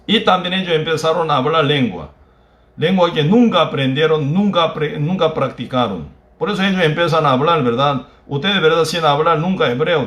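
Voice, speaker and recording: A man with a Korean accent preaches a sermon in a higher-than-usual voice. His phrases come out halting and broken, and he keeps tagging them with questions to the congregation. The recording carries the echo of a church hall. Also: fairly bright tone. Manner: peppers phrases with tag questions. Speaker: pastor.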